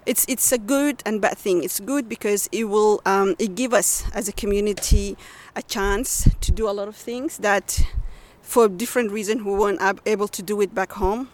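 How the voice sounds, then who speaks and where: A woman, a community radio co-founder speaking reflectively in a casual interview, often restarting as she searches for words. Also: mid-range voice. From Sudan.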